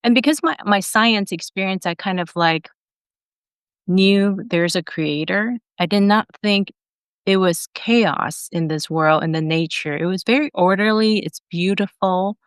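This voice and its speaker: A woman's voice: mid-range voice, measured pace, clear, resonant tone, dry recording, clean studio sound. A woman in her forties who grew up in Taiwan, telling her life story as a podcast guest in an earnest, reflective way. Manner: earnest and reflective, with fillers and restarts. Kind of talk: conversational interview storytelling.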